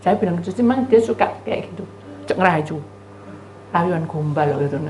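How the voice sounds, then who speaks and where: A middle-aged woman pastor, telling a chatty, animated story in a sermon and acting out both sides of the dialogue. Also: lowish voice, normal speed, reverberant, a little hiss or hum. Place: church.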